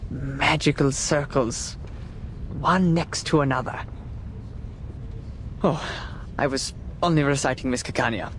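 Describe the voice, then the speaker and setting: A man voicing a polite, excitable art enthusiast in a video game, courteous and effusive. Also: mid-range voice, slight background noise, close to an everyday voice. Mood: reverent, then wistful, courteous.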